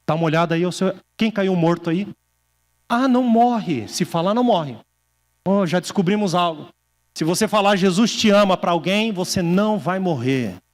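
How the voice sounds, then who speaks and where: High-voiced preacher in a reverberant hall. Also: male voice. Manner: storytelling preacher, acts out quoted voices, slows for emphasis. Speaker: pastor. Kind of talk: sermon. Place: church hall.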